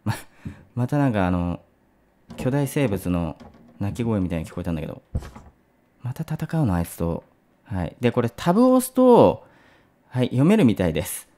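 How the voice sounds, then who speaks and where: A young man playing a horror game, chatting to himself, shouting at scares and scolding the monster. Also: on the low side, sing-song, normal speed, pauses often. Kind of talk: let's play commentary. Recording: game music behind.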